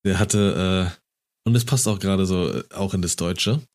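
A man in casual conversation about football, talking enthusiastically and getting animated as he retells a match. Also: low voice, measured pace. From Germany.

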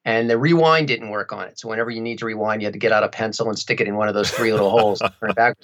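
A man's voice: on the low side, fairly even intonation, racing, fairly bright tone. A man speaking as an interview guest, telling detailed, wry stories in a casual conversational way. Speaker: interview guest, audiobook narrator and radio play performer.

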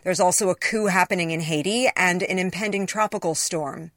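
A woman's voice: fairly low pitch, a little fast, a bit bright, dry recording. Woman reading a personal essay, very dry sound. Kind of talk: scripted first-person essay narration.

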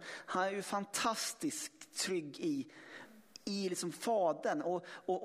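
Guy preaching a sermon, high voice, lots of restarts, echoey church hall. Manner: emphatic, with many restarts and sudden swells in volume. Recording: long hall reverb.

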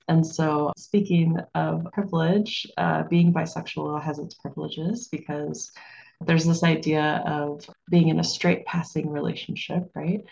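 Low, creaky-voiced woman on a panel. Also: darkish tone, highs cut off. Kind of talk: sharing a personal story in a panel discussion.

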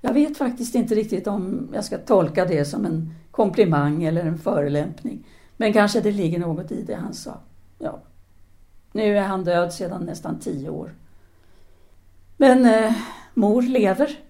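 A woman's voice: mid-range voice, mellow, natural voice. A woman acting in an audio drama as a self-assured female philosophy teacher in 1930s Paris, speaking in an articulate, formal, didactic way. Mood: poised, curious.

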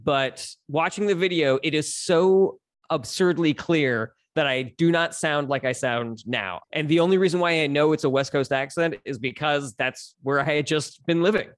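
As a guest on a podcast, this LA-born stand-up comedian in his forties shares personal stories in a candid, articulate, casual way with an American accent. His voice is fairly high, at normal speed, with no echo.

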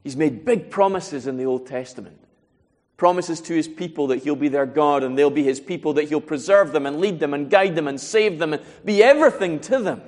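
A man's voice: fairly high pitch, a little fast, big-room sound. A man preaching a sermon, earnest and asking rhetorical questions as he works through a Bible passage.

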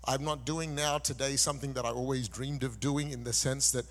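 A man's voice: medium pitch, fairly even intonation, brisk. Chatty self-mocking male guest preacher. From Malaysia. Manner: chatty and self-deprecating, with frequent "uh" fillers. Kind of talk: sermon with personal story.

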